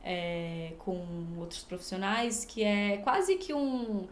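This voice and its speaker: A woman's voice: medium pitch, lively intonation, slow, a little hiss or hum. Chatty Brazilian woman in a roomy space. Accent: Brazilian Portuguese. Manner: talkative and rambling, acts out quoted remarks. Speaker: guest, medical student and influencer. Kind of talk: casual podcast chat.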